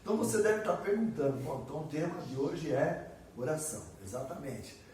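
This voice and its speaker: Brazilian male preacher, fairly high voice, chatty sermon, picked up from far off in a very echoey room. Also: lively intonation, a little fast, a little mellow, a little hiss or hum. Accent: Brazilian Portuguese. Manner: conversational, acts out prayers and asks the audience questions. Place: church hall.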